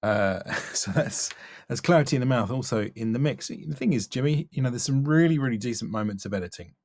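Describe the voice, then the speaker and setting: A man's voice: mid-range voice, expressive, brisk, a little mellow, no room sound. A man working as a voice-over coach, giving a casual, thoughtful spoken critique and stressing key words. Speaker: voice-over coach reviewing demo reels.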